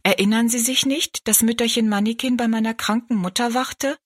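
A woman voicing an eager young girl in a storybook, speaking high and earnestly. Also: steady tone, brisk, no room sound, clean studio sound, close to an everyday voice. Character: eager young girl searching for an old friend.

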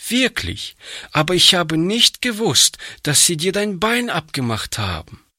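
An earnest little storybook girl who pleads and coaxes, her voice lifted high and swinging through a wide, lively melody, as a man reads her part. The delivery is unhurried and very bright, with a close, dry sound. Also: no room sound, exaggerated voice. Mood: pleading, eager. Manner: pleading, eager. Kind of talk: audiobook reading.

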